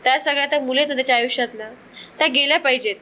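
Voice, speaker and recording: A sly young woman pours out melodramatic complaints, pleading and fussing, as a woman narrator puts her on. The voice sits high and sounds bright and sharp. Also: racing, slight background noise. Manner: theatrical, pleading. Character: scheming young woman faking distress.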